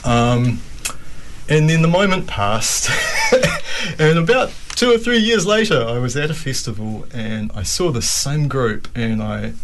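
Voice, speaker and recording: A man's voice: medium pitch, animated, measured pace. A man in his fifties with a New Zealand accent, telling stories conversationally as an interview guest. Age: 50s. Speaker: interview guest, capoeira practitioner.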